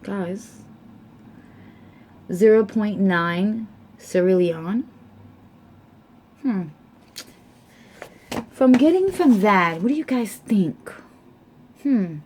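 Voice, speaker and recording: Woman vlogger, young adult, casual chat, slow delivery, faint background noise. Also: medium pitch, expressive, a little mellow. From United States. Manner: reads results aloud slowly with fillers.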